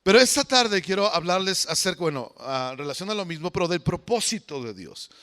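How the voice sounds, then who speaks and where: A man's voice: high-pitched, big pitch swings, brisk, fairly bright tone. A man preaching a conversational sermon as pastor, often putting questions to the congregation. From Mexico.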